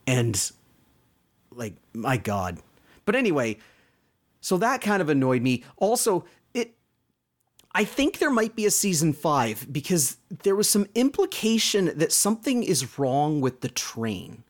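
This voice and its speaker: A man's voice: on the high side, a little slow. A man with a Canadian accent, chatting casually as a podcast co-host about a show he watched. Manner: animated, mock voices when quoting. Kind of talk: casual chat reviewing a show.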